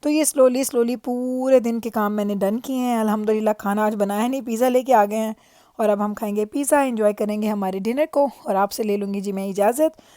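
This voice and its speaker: Middle-aged woman, Pakistani accent, soft mellow tone, fairly high voice, conversational vlog narration, English phrases mixed in. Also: a little fast, no echo, studio quality. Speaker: family lifestyle vlogger. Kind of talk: chatty, reflective vlog voice-over.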